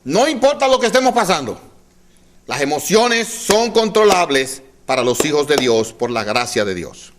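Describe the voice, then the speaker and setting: Spanish-speaking pastor preaching with shifting intensity. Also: male voice, sing-song, moderate pace, noisy background. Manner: addresses the congregation as brothers, asks them to repeat phrases; dynamic delivery, drops to soft low tones for emphasis. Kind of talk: sermon. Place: church.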